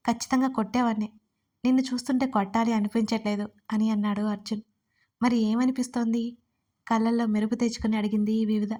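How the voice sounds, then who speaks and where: Woman, storybook narrator, higher voice, little rise and fall, reads the dialogue too. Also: fast. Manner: even-toned reading, voicing both lovers' lines herself. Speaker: writer and narrator.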